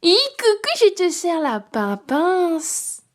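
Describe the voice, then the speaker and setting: A woman putting on a squeaky baby voice for her cat. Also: big pitch swings, slow, exaggerated voice. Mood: cooing. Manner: cooing baby talk to a cat.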